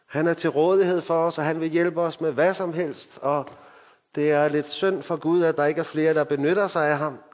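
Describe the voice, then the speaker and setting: Danish preacher in a reverberant hall. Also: male voice, fairly high pitch, steady tone. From Denmark. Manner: emphatic, dropping to hushed solemn tones. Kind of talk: sermon. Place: mission hall.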